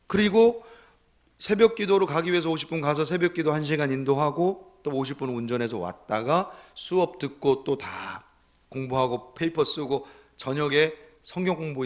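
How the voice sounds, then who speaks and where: A middle-aged man preaching a Sunday sermon as pastor, telling stories and acting out the voices he quotes. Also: medium pitch. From South Korea.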